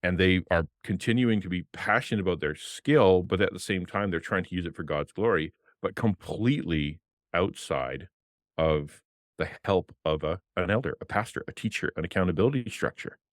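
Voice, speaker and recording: A man with a deep, low voice talks with passion and animation, a former pastor sharing his work as a podcast guest. His words come close and dry from a desk microphone in a small streaming room. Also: moderate pace, no echo. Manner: passionate, animated, gestures with hands. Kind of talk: casual interview talk. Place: home streaming room with colored lights. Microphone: desk podcast mic on arm, headphones.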